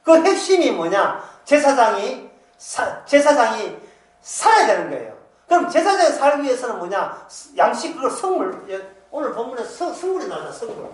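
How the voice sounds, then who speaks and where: A male preacher with a Gyeongsang Korean accent delivers a sermon in a lively, swooping voice, asking rhetorical questions and dropping into dialect. He sounds set back from the mic in a roomy, echoing hall. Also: very high voice, brisk, recorded from a distance. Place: church hall.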